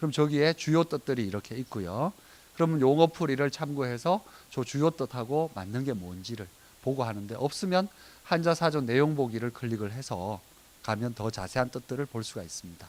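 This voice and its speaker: Delivery comes at a fairly quick pace with lively intonation. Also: man. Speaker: education lecturer. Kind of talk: lecture to parents.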